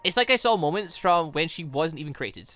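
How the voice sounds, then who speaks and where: A man voicing a shaken, earnest young female student in a visual novel, halting and stammering. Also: fairly high pitch, expressive, bright, forceful tone, soft background music. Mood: troubled, halting.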